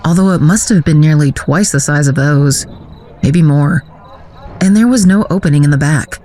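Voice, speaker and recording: A guarded woman played by an actress tells her story in an audio drama. Her voice is middling to low, her delivery dry and sardonic, and there is faint noise behind her. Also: normal speed, mellow, lightly acted. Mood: recounting. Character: wry, guarded woman recalling a youthful misadventure. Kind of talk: audio drama narration and dialogue.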